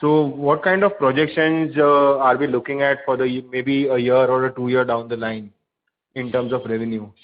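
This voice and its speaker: A man, politely and haltingly putting questions as an investor on an earnings call. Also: mid-range voice, steady tone. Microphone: phone. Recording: narrowband phone line.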